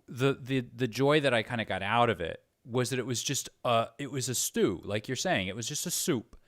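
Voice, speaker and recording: A man's voice: medium pitch, fairly bright tone, no room sound, studio quality. A man interviewing in a casual conversational way, hesitant and often rephrasing his questions as he goes.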